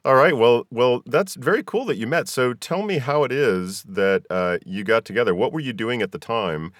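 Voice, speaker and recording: A man's voice: medium pitch, normal speed, dry recording, clean studio sound. A man hosting a podcast, talking casually as he interviews his guests.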